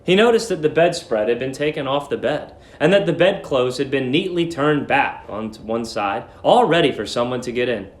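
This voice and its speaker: A man's voice: medium pitch, expressive, normal speed, hardly any pauses, echoey room. A man narrating a short story as a dramatic reading.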